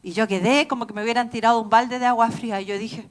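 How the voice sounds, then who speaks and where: A woman's voice: on the high side, steady tone, quick pace. A woman pastor with a Chilean accent preaching a sermon in a church, telling stories earnestly and laughing at herself.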